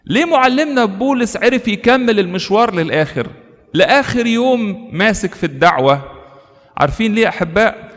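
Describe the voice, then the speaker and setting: A man with an Egyptian Arabic accent, a priest preaching a sermon in an animated way, acting out tempting voices. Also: high-pitched, fairly quick, big-room sound.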